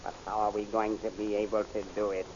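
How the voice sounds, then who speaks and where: A man's voice: on the low side, completely flat delivery, fairly quick, a little mellow, natural voice. An actor playing a scheming, imperious rebel general in a 1930s radio serial, pondering as he speaks, on a muffled, hissy recording.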